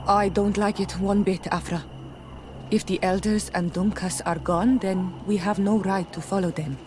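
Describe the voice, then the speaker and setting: A woman's voice: mid-range voice, fairly even intonation, normal speed, a little mellow, a little hiss or hum, lightly acted. Guarded, disapproving tribal woman played by an actress.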